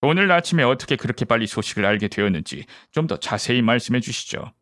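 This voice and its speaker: A man's voice: medium pitch, expressive, quick pace, fairly bright tone, lightly acted. A man voicing a composed, courteous male detective in an audiobook, speaking formally and probingly. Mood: calm, probing. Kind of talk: audiobook character dialogue.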